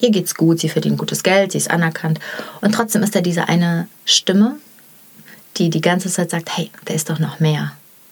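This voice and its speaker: A woman's fairly low-pitched voice, with ordinary pitch variation, comes through noticeable background noise. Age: 30s. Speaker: author and former stand-up comedian. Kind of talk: casual interview.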